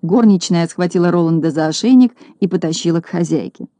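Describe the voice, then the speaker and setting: A woman narrating a children's storybook in a calm, measured reading. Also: fairly low pitch, no echo. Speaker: audiobook narrator.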